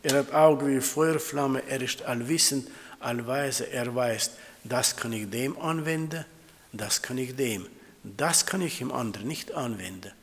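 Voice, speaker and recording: A man preaching a sermon to his congregation, calling them siblings and quoting scripture, with halting, non-native phrasing and restarts. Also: medium pitch. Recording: long hall reverb.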